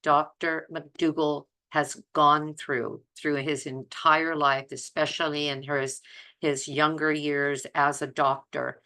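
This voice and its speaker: A woman with a low voice talks at a slow pace, her delivery flat but pushed and bright. As a health vlogger championing plant-based eating, she offers informal, earnest and emphatic commentary on a set of quotes.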